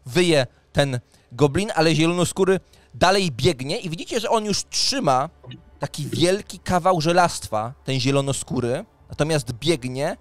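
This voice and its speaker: A man's voice: fairly high pitch, animated, a little slow, no room sound. A man in his thirties narrating a tabletop fantasy game as game master, in a descriptive, dramatic storytelling manner. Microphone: close microphone on a boom arm, headset on. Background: music.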